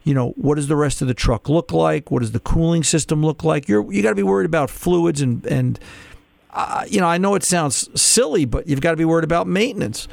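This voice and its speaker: Gravelly-voiced male radio car show host. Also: fairly high pitch, lively intonation, a little fast, darkish tone, no echo. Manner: chatty, restarts often, explains patiently. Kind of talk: call-in radio advice.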